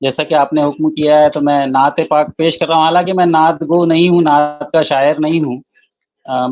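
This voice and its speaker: Loudness stays very even while the intonation remains monotone and flat. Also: man, fairly high pitch for a man. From India. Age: young. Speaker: Urdu poet. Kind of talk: interview answer.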